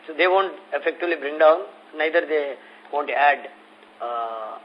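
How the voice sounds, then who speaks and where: A man with an Indian accent answering investor questions as a company executive on an earnings call, explaining in a halting way. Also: on the high side. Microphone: conference call phone. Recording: muffled conference phone line with noise.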